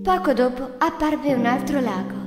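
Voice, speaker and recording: Woman narrator, high pitch, children's storybook narration, reverberant hall, prominent music. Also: normal speed.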